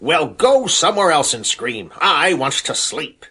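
Reddy Fox is a sly, bad-tempered male fox who snarls and snaps his lines in a slightly raised, strained voice, with lively swings of pitch. A man puts him on while reading a storybook aloud. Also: a little slow, slightly rough, exaggerated voice. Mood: cross.

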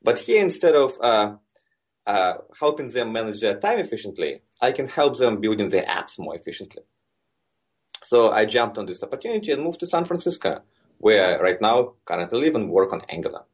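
A man in his thirties from Russia with a Russian accent, a software engineer explaining his work as a guest in a conversational interview, relaxed and full of fillers. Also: fairly low pitch, a little fast. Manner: relaxed and explanatory, many fillers like "like" and "you know".

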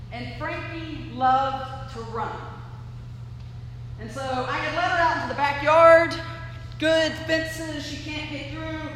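A woman's voice: high voice, a bit bright, slight background noise. A woman giving a chatty, conversational sermon as a guest preacher, projecting her voice to fill the sanctuary without a microphone. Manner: folksy, chatty storytelling. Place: church sanctuary. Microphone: no microphone, picked up from across the room. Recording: echoey church hall with long reverb.

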